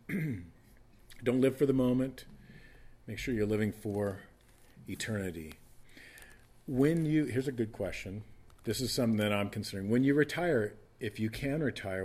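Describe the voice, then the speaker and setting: A man's voice: on the low side, animated, moderate pace, pauses often, darkish tone. Fifty-year-old man preaching conversationally. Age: 50s. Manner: conversational preaching with frequent restarts and repeated words. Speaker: pastor. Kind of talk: sermon.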